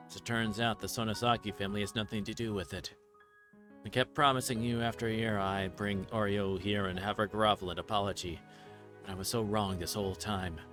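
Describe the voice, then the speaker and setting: Aging male detective read by a man, visual novel, lowish, plain-spoken, stubborn and ruefully reflective, soft music underneath. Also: close to an everyday voice. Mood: wry. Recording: music playing behind the voice.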